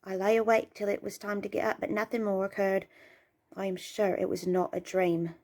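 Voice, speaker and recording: Creaky-voiced shaken young servant, acted by a woman. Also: medium pitch, steady tone, normal speed, darkish tone, lightly acted. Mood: uneasy, insistent. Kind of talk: dramatic reading of a witness account.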